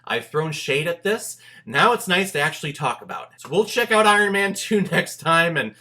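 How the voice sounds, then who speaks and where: A man giving a casual, enthusiastic film review straight to his viewers, talking in an animated, emphatic and informal way. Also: fairly high pitch, normal speed.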